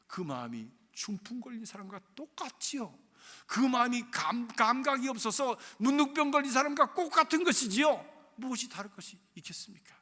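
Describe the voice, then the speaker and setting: A high-pitched, bright-voiced man preaching a sermon in a church sanctuary. His voice swoops widely, dropping to hushed near-whispers and then climbing to loud peaks. A long hall reverb hangs behind every phrase. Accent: Korean. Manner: preaching with sweeping rises and hushed drops. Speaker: pastor.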